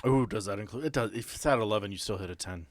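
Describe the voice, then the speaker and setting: Low-voiced man running a tabletop game. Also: racing, no room sound. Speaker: game master. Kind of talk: casual tabletop game narration.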